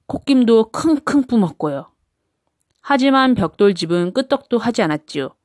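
A woman's voice: fairly high pitch, lively intonation, moderate pace, a little mellow, no room sound. Woman reading a children's storybook, dry sound.

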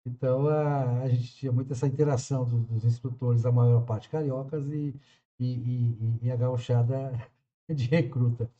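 A man in his forties with a southern Brazilian accent, arguing in a measured, firm way on a video call. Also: medium pitch, fairly even intonation, dark tone. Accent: southern Brazilian Portuguese. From Caxias do Sul, southern Brazil. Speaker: channel host. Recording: dull lo-fi call audio.

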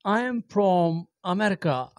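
A middle-aged man giving an amateur language lesson, halting and repeating phrases with many fillers, speaking into a handheld microphone in a small room. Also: sits high, lively intonation, dry recording, studio quality. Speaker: language teacher. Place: small indoor room with green backdrop.

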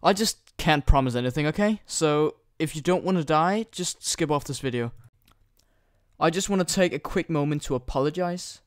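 A man's voice: fairly high pitch, animated, normal speed, no room sound, clean studio sound. A Danish teenage boy putting on a British accent, casually rambling and joking crudely through a gaming tutorial on a new desktop microphone. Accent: put-on British accent. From Denmark. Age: teens. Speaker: gaming YouTuber. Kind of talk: casual screen-recording tutorial commentary.

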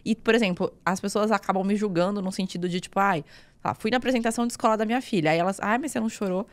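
Brazilian woman, 30s, podcast host. Rapid, animated storyteller, close dry mic. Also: medium pitch, no echo. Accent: Brazilian Portuguese. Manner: animated storyteller who acts out quoted lines. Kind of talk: casual chat.

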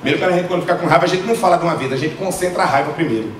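A man in his thirties with a Northeastern Brazilian accent doing an animated stand-up set into a handheld mic, acting out quoted voices. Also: on the high side, racing, far from the mic, noisy background. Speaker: stand-up comedian. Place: theater stage before a live audience. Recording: roomy theater sound with loud laughter.

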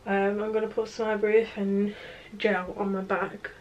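A young woman vlogging at home, tired and in pain, talking in halting phrases with sighs. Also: medium pitch, flat delivery, lo-fi sound. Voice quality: hoarse morning voice. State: in pain and exhausted. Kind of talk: casual vlog to camera. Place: at home, indoors. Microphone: phone camera held close.

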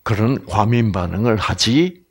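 A man's voice: fairly low pitch, animated, slightly rough. A middle-aged man from Korea giving a health lecture that turns to faith, asking his audience questions and answering them himself, often dropping to a near whisper. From South Korea. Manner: slow and drawn-out, many fillers, drops to a near whisper at key points. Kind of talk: health lecture with sermon-like passages.

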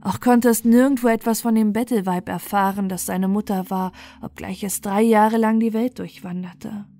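A woman storyteller reading a bedtime fairy tale in a measured, expressive way. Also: mid-range voice.

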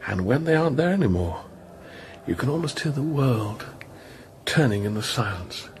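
An actor playing a tormented but gentle Catholic priest in a radio drama, speaking in a halting, intense and brooding way. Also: male voice, medium pitch, sing-song, slight background noise. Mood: gentle, musing. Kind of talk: radio drama acting, interior monologue and dialogue.

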